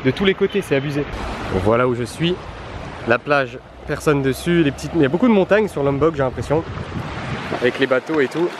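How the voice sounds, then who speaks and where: A man's voice: medium pitch, lively intonation, a little fast, background noise. A young man chatting casually and informally to a travel vlog audience in offhand, slangy speech. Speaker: travel vlogger.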